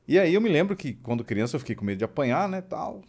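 A man from Brazil, a guest on a podcast, telling childhood stories in a relaxed chat and acting out the voices he quotes. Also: on the high side, quick pace. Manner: animated anecdotes with laughs, acting out quoted voices. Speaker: podcast guest, trumpet player. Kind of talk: casual storytelling interview.

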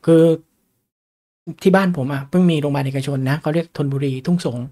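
A man's voice: a little high, fairly quick, mellow. A man giving a chatty lesson on reading stock charts, often throwing questions at his listeners. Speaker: stock market teacher. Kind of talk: casual lecture on stock charts.

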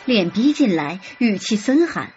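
A woman's voice: mid-range voice, big pitch swings, a little slow, a little hiss or hum. A woman narrating a romance audiobook in first person, telling it expressively. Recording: slightly dull audio with soft music.

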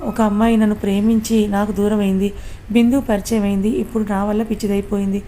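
A woman's voice: mid-range voice, level tone, quick pace, warm tone, slight background noise, close to an everyday voice. Woman reading as an angry young man. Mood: sad. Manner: angry, blunt scolding. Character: young man, hot-tempered and troubled. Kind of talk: story read aloud.

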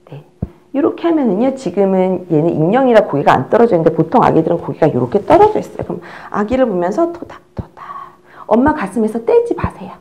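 A middle-aged woman teaching parents how to soothe a crying baby, demonstrating as she talks and sometimes dropping to a soft whisper. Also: medium pitch, quick pace. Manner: animated, demonstrating with an instructor's cues; drops to a soft whisper while the baby settles. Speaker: baby care instructor. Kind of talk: instructional demonstration.

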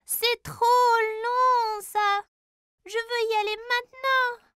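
A woman's voice: very high voice, fairly even intonation, slow, sharp tone, no echo, studio quality, heavily acted. A woman voicing a curious, eager four-year-old boy in a children's cartoon, with a childlike, earnest manner. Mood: pleading. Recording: music behind the voice.

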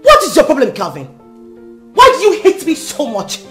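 An actress playing a fiery, quick-tempered young wife who hurls insults and shouts at her brother-in-law. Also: high-pitched, wildly swooping pitch, soft background music, exaggerated voice. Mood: indignant. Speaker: actress in a drama.

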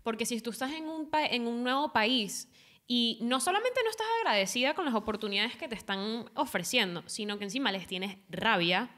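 A woman's voice: on the high side, animated, brisk, a bit bright. A young woman co-hosting a podcast, speaking firmly in casual chat on a desk mic. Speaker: podcast host. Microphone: desk microphone.

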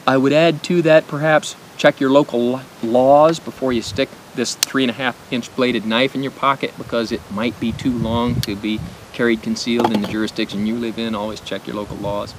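Middle aged american guy showing gear outside, halting delivery w lots of pauses, medium pitch, bit of rumbly noise. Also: fairly even intonation. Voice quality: speech impediment. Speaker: knife and gear reviewer. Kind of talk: informal product demonstration to camera. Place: outdoors at a picnic table in woods. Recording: outdoor noise with low rumble.

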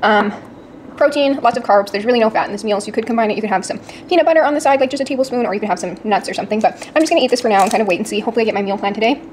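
A woman's voice: fairly high pitch, very fast, a little hiss or hum. Chatty woman vlogging from her kitchen. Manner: chatty, explains as she goes. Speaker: fitness vlogger. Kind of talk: casual vlog chat. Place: home kitchen.

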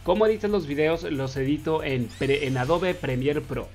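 A man's voice: on the high side, normal speed, a little mellow, faint music behind. A Mexican man in his twenties with a Mexican Spanish accent, casually answering viewer questions as a gaming YouTuber, playful, reading each question aloud in a raised voice. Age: 20s. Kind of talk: casual Q&A voice-over over gameplay.

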